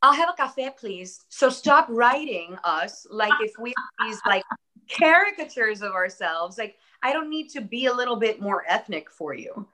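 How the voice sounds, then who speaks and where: Woman, early 30s, Spanish first language, bright voice, upbeat, earnest, casual interview guest. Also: on the high side, very animated, moderate pace, low-quality recording. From born in Atlanta, Georgia, US. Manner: upbeat, earnest, lots of "um" and "I think". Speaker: actress, guest.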